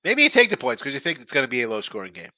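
A man with a stuffy, congested nose hosts a live sports betting stream, chatting loosely through viewer comments and picks. His voice is very bright and edgy, and the recording is dry and close with no room sound. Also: medium pitch, huge pitch swings, racing, no echo. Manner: chatty and loose, with frequent restarts and asides. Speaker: sports betting show host.

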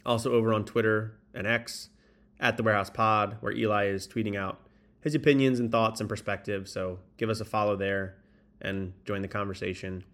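A man's voice: lowish voice, steady tone, normal speed, fairly bright tone. Man hosting a podcast in an echoey room. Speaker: sports podcast host. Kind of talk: solo baseball commentary, casual. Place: echoey indoor spot. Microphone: makeshift mic, not the proper one. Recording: echoey room, improper microphone.

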